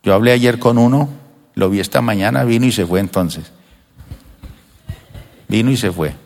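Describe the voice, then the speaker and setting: An older man preaching a sermon to his church, animated and acting out children's voices now and then. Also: fairly low pitch, moderate pace, creaky. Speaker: pastor. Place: church sanctuary. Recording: long reverb of a church hall.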